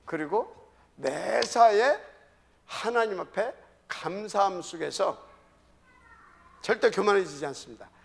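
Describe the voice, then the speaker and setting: Gravelly high-voiced preaching pastor. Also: male voice, lively intonation, slow, long pauses. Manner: emphatic preaching, sudden drops to whispered repetition. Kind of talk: sermon. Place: church sanctuary.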